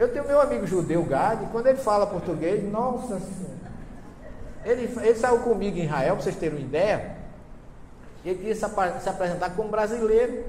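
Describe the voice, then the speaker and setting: A man talks at a high pitch with ordinary pitch variation and long, frequent pauses. Noticeable background noise and audible room echo fill the recording. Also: fairly quick pace. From Brazilian Northeast (Paraíba). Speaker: religious lecturer, Bible scholar. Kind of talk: lecture. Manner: animated.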